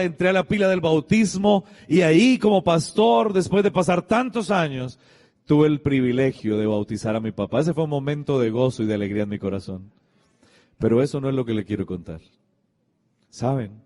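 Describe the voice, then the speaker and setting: Man pastor preaching, kinda high voice, big echoey church, acts out the voices in his story. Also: darkish tone. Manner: storytelling preacher, acts out dialogue, rises to urgent appeals. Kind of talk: sermon. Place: church sanctuary.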